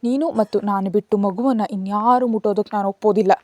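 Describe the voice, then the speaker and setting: A woman's voice: mid-range voice, fairly even intonation, fast, warm tone, no echo, natural voice. A woman voicing a stern, wealthy young father who is guarded and commanding, speaking in curt orders.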